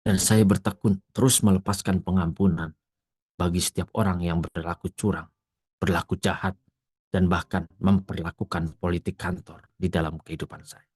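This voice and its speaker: A male pastor preaching a sermon, moving from quiet, low storytelling to loud, emphatic peaks. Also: slightly rough, no echo.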